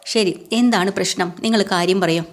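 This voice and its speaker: A woman voicing a female police inspector who asks measured, probing questions. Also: medium pitch, lightly acted. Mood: questioning.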